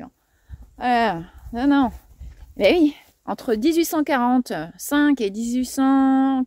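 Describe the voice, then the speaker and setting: A woman's voice: fairly high pitch, dark tone, no echo. A woman hosting a casual gardening video outdoors, chatty and playful, tripping over words and laughing at herself. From France.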